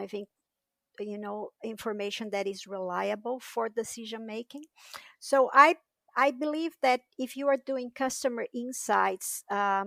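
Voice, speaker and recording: Bright, sharp tone with a Brazilian Portuguese accent, fairly slow pace, ordinary pitch variation and big swings in loudness, in a very clean recording with a silent background and dry, close sound with no echo. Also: woman, fairly high pitch for a woman. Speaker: market research executive. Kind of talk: podcast interview.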